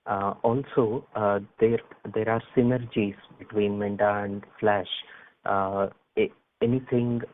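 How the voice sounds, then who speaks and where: A man's voice: on the low side, fairly even intonation, measured pace. A man with an Indian accent asking questions as an analyst on an earnings call, polite and a little hesitant. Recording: phone-like conference call line.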